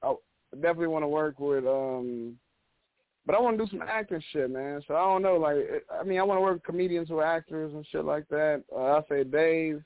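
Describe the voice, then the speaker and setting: A man's voice: on the high side, brisk, no room sound. A man of about thirty from Chicago, a stand-up comedian telling rambling, profane stories as a guest. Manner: animated, profane, rambling storyteller. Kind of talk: casual interview storytelling. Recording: dry, phone-like narrow sound.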